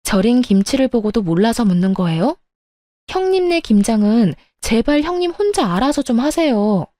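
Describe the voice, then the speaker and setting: A woman acting a defiant young wife, sharp retorts, mellow tone, dry close sound, story radio drama. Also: fairly high pitch, dry recording. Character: fed-up defiant young wife, standing her ground.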